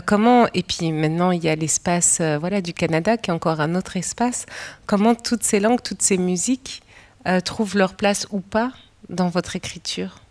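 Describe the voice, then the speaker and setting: A woman interviewer asking thoughtful literary questions, framing them slowly with fillers. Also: fairly low pitch, darkish tone. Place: stage at a poetry house.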